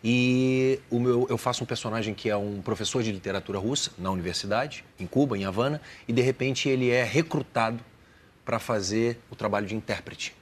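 A male actor being interviewed, explaining his work thoughtfully, with frequent pauses and restarts. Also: medium pitch. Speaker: actor guest. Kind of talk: casual interview talk.

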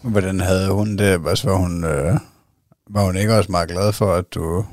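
A man's voice: low-pitched, steady tone, darkish tone, dry recording, studio quality. A man with a Danish accent hosting a podcast, asking short questions in casual conversation. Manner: short prompting questions and backchannels. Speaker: podcast host. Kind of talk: casual interview chat.

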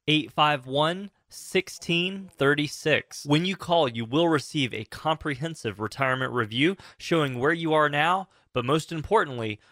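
A man's voice: a little high, no echo, clean studio sound. A man reading a scripted infomercial advert for radio, addressing the listener. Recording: loud guitar music bed. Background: prominent guitar music.

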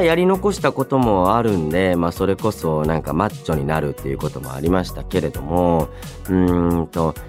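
A man's voice: low voice, a little mellow. A man in his thirties hosting a casual radio show, chatting playfully and reading listener mail in a polite but loose way, often chuckling at himself. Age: 30s. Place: radio studio. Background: background music.

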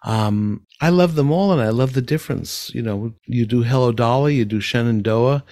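A man's voice: medium pitch, normal speed, warm tone, no echo, clean studio sound. An older man with a nasal voice, a musical director who tells stories with enthusiasm and reflection in an interview. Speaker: musical director and speech therapist. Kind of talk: interview answers.

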